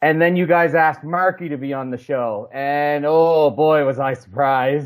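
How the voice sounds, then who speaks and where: Here is a man with an ordinary speaking voice and a Canadian accent, pitched fairly high. He keeps a moderate pace with fairly even intonation and hardly any pauses. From Canada. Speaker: podcast co-host. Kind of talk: comedy roast.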